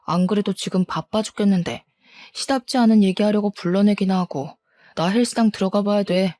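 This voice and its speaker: A woman's voice: medium pitch, a little fast, dark tone, no echo, lightly acted. A woman voicing a cheating middle-aged husband who blusters, shifts the blame and scorns his wife. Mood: defensive, scornful.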